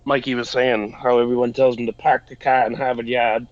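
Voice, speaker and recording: A man's voice: mid-range voice, flat delivery, brisk, highs cut off. A man from Boston chatting casually on a podcast, swearing freely and laughing easily. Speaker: podcast co-host. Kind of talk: casual chat.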